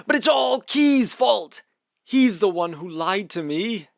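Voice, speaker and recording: A man's voice: high voice, animated, slow, vocal fry, no echo, clean studio sound, exaggerated voice. A man playing a defensive, guilt-ridden royal brother in a fairy-tale audio comedy, dramatic and self-justifying. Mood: indignant. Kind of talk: audio fiction comedy acting.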